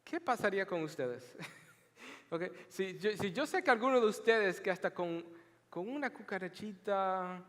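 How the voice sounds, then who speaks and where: A man preaching a sermon in an animated, joking storytelling manner, mixing scripture reading with lively asides. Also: high voice, normal speed. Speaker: pastor. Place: church sanctuary. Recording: long reverb of a large hall.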